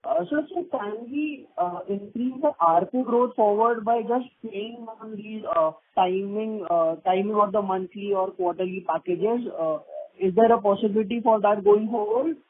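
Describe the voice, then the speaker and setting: A woman comes through a narrow phone line with a husky voice. She asks questions as an analyst calling in, politely and hesitantly, in long wordy phrases. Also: mid-range voice, normal speed. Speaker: caller asking questions as analyst. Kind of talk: unscripted question on earnings call. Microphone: telephone conference call.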